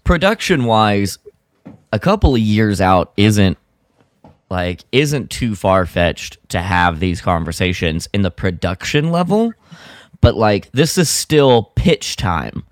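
A man co-hosting a podcast in casual chat, thinking aloud in loose, halting phrases. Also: fairly low pitch, sing-song, no room sound. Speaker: podcast co-host.

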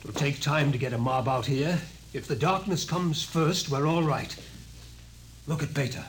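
An actor playing a coolly sardonic, authoritative scientist in a 1950s radio drama, speaking in measured, probing lines. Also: male voice, fairly high pitch, lightly acted. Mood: cool, detached. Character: commanding male scientist, coolly sardonic, explains things calmly. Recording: noisy old 1950s radio recording.

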